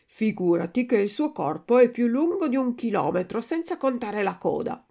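A woman's voice: a little high, sing-song, normal speed, vocal fry, mellow, full character voice. A woman voicing a resigned, philosophical male tuna with a cracked voice in a storybook reading. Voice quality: cracked, like an untuned guitar.

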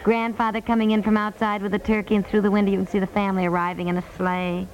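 An actress playing a chatty, cheerfully persistent wife in a natural, conversational 1950s radio comedy style. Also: female voice, mid-range voice, level tone, dull audio, natural voice. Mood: eager. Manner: chatty, coaxing, brisk. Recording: vintage 1950s radio recording.

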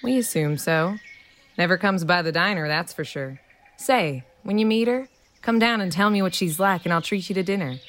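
A woman's voice: lowish voice, moderate pace, natural voice. A woman playing a chatty, friendly small-town diner local in an audio drama, folksy and inquisitive. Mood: friendly, curious. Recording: clear outdoor ambience with birdsong.

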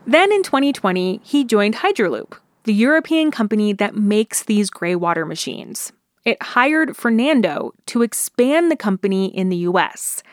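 A woman's voice: medium pitch, very animated, normal speed, dry recording, studio quality. Woman reporter narrating a radio feature.

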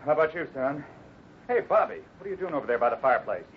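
A man's voice: on the high side, sing-song, fast. An actor playing a brave, fatherly cowboy leader, firm and earnest, in a 1950s radio western on an old recording. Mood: concerned, fatherly. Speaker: cowboy hero. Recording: muffled, very noisy old radio broadcast recording.

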